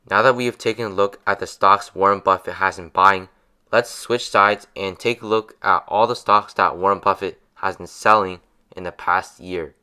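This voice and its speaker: Young guy reading a steady finance script, smooth clear voice, close mic. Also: on the low side. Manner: steady explanatory delivery. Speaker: finance channel narrator. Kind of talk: scripted voice-over narration.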